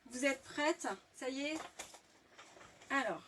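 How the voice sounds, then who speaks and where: A woman's voice: sits high, takes it slowly, a bit bright. Chatty French woman leading a craft live. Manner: chatty, many fillers and restarts. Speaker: scrapbooking workshop host. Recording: distant mic, faint background hiss.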